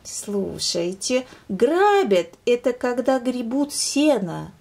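A woman's voice: on the high side, very animated, slow, creaky, a little mellow, pitched above the performer's own voice, exaggerated voice. A woman voicing a sly, lazy female lynx who drawls smugly and mockingly.

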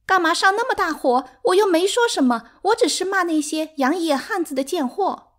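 A woman voicing a hysterical, defiant younger concubine in an audiobook, shrill and wailing with grievance. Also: expressive, moderate pace. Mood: defiant, aggrieved. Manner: wailing, taunting. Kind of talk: dramatic audiobook character acting.

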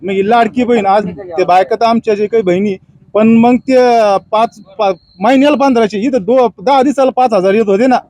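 A villager being interviewed on the street, complaining earnestly in a halting way. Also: male voice, very high voice, mellow.

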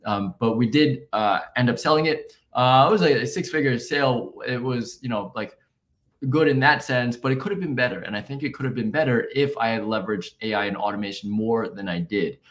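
Guy guest on a podcast, laid back, lots of ums, average pitch. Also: brisk. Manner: relaxed, many fillers and restarts. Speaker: guest, marketing founder. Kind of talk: interview answers.

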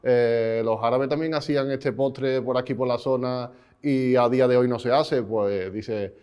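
A man's voice: medium pitch, steady tone, a little slow, darkish tone, clear, resonant tone. A chef in his thirties from Seville, speaking in an interview with frequent restarts, recorded on a lapel mic in a restaurant. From Seville, Spain. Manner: thoughtful, restarts often. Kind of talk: interview talk.

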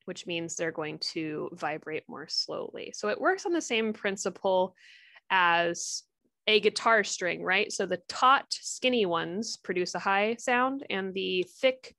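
A woman's voice: fairly low pitch, lively intonation, measured pace, gravelly, bright, forceful tone, no room sound, studio quality. A woman giving a recorded histology lecture, chatty and upbeat, with jokey asides and frequent ums.

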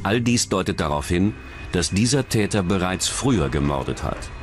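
A man narrates a true-crime documentary from a script. His voice sits on the low side, and soft music plays underneath him. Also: animated, normal speed. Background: background music.

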